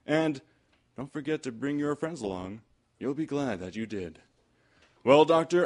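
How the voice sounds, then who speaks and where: A man announcing in old-time radio style, with folksy scripted banter and sponsor salesmanship. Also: medium pitch.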